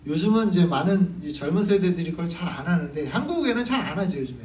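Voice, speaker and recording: High-voiced pastor in an echoing church. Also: male voice, expressive, fast, darkish tone, slight background noise. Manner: conversational preaching, acts out quotes. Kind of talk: sermon. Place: church sanctuary. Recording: echoey church hall from far off.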